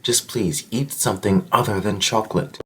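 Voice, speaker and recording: A man playing a loyal, chivalrous nobleman in an audio drama, soft and husky, speaking with courteous, earnest, old-fashioned phrasing. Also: fairly low pitch, normal speed. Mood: tender, earnest. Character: gentle, loyal, chivalrous nobleman, protective and solemn.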